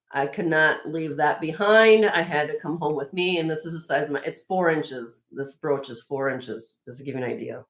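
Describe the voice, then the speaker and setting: A woman with a slightly raspy, lowish voice hosts a live jewelry sale. She talks in a casual, chatty way and admires each piece as she shows it, often restarting her sentences. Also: a bit bright. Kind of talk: casual show-and-tell product presentation.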